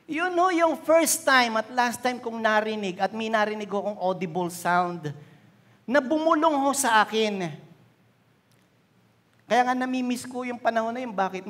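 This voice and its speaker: A man's voice: very high voice, fairly bright tone. A male pastor giving an emotional sermon with personal testimony, addressing the congregation politely. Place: church hall. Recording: church hall reverb.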